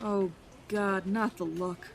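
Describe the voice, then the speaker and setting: A woman's voice: mid-range voice, steady tone, creaky. An actress playing a harried, exasperated woman who is running late, in an audio drama. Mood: dismayed. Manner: exasperated, rushed. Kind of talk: full-cast audio drama acting.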